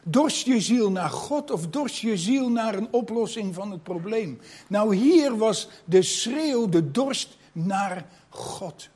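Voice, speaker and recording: Slow, breathy high-voiced male preacher. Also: expressive, a little mellow. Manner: reflective, personal, rhetorical questions. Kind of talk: sermon.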